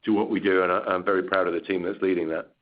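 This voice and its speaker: A man speaking as a chief executive on an earnings call, giving candid, measured, unscripted business commentary. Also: low-pitched, level tone. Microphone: conference call line. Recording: dull, lo-fi conference call audio.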